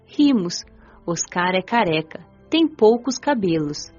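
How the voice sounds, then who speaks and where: A curious young woman's spirit narrating a radio drama with gentle, lively intonation. Faint music plays under slightly dull audio. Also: mid-range voice, takes it slowly. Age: young adult.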